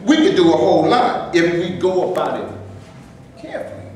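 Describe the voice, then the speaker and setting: An actor in a staged reading playing an earnest, heated Black actor from the 1930s who wants justice. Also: male voice, high-pitched, sing-song, moderate pace, darkish tone. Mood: indignant. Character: Black male actor in the 1930s, indignant and determined. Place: stage before a live audience. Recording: very echoey room, faint noise.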